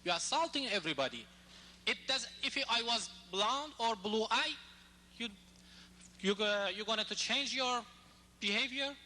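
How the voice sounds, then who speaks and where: A man from Iran asking a heated question from the audience, halting and insistent, with non-native phrasing. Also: very high voice, animated, sharp tone. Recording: echoey hall, from off-mic.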